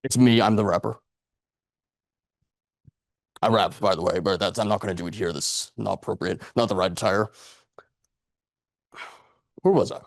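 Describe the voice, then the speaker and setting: A man's voice: lowish voice, moderate pace, gravelly, long pauses, no room sound, studio quality. A man in his late twenties giving a speech to a club audience in a meeting room, earnest and rambling, correcting himself as he goes. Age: 20s. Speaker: club speaker.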